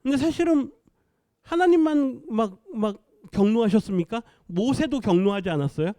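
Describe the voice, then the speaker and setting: A man preaches with a high, lively voice that rises and falls a great deal. His tone is dark and mellow, and the sound is dry and close, with little room reverb. He keeps asking the congregation questions and answering them himself. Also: moderate pace. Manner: drops to a quiet, low voice to stress key words. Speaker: pastor. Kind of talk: expository sermon.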